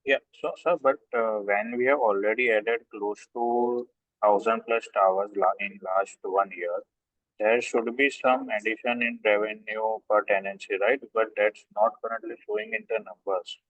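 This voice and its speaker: A man's voice: lowish voice, steady tone, normal speed, fairly bright tone, dry recording. A man with an Indian accent, an analyst caller asking questions on an earnings call, polite but persistent. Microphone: remote call line. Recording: distant, narrow, radio-like phone line.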